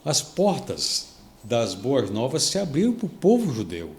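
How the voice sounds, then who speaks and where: A Brazilian man, a pastor, telling a story on a devotional podcast, lively and acting out the people he quotes. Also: medium pitch, normal speed, reverberant. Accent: Brazilian Portuguese. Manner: animated storytelling, acts out quoted speech.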